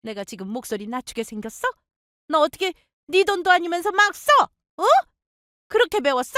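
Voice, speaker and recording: A woman voicing a bossy older mother-in-law who scolds and shouts indignantly. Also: high-pitched, big pitch swings, fairly quick, no room sound, clean studio sound, voice pushed up. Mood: angry scolding.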